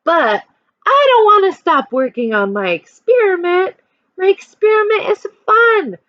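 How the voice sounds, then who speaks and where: Slow, animated female teacher reading aloud. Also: extremely high pitch, no echo, highs cut off. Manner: expressive, addresses young listeners with questions. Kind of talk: children's read-aloud with explanatory asides and questions.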